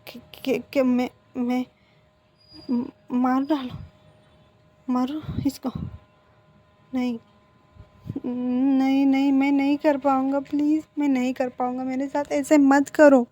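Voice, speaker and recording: A woman's voice: high-pitched, level tone, slow pace, pauses often, warm tone, dull audio, voice pushed up. A woman voicing a tearful young man who stammers and pleads in panic. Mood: panicked.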